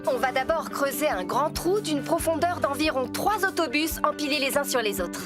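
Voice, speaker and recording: A woman's voice: sits high, expressive, moderate pace. A woman voicing a patient, sensible young crew member in a French children's cartoon. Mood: explaining. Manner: explanatory, matter-of-fact. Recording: music behind the voice.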